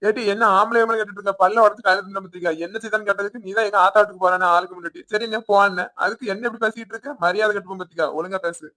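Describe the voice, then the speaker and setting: A man voicing a quick-tempered village husband in a cartoon, with a Tirunelveli Tamil accent and a nagging, hectoring way of talking. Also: high voice, steady tone, bright, forceful tone, no echo. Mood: angry. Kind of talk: cartoon voice acting.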